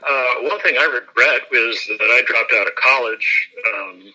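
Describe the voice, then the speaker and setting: Bright-voiced actor chatting, laughing easily. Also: male voice, medium pitch, normal speed, low-quality recording. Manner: chatty, self-deprecating, laughs often. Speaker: actor, interview guest. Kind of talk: relaxed interview chat.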